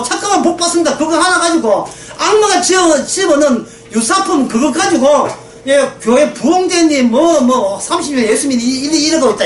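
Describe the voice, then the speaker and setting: A woman preacher with a high voice delivers an emphatic sermon, swinging widely in pitch as she pushes rhetorical questions at her listeners. She is recorded from some distance in an echoey room with faint ambience behind her. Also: a little hiss or hum. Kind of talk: sermon lecture.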